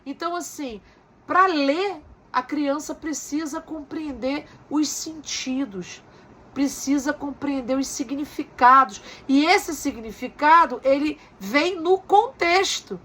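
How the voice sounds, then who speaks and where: A woman's voice: sits high, slow pace, a bit bright. A woman giving a recorded lecture as a teacher, explaining step by step with frequent tag questions and rhetorical questions.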